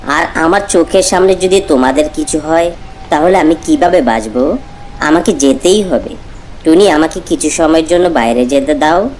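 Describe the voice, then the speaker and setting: A woman's voice: sits low, darkish tone, slight background noise, poor audio. A woman voicing a devoted, brave cartoon father bird, earnest and reassuring. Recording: music bed under the voice. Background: background music.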